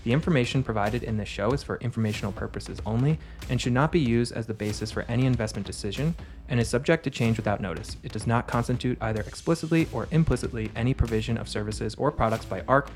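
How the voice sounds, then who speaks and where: Man reading a fast legal disclaimer. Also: mid-range voice, darkish tone. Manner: rapid, formal read-out. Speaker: disclaimer announcer.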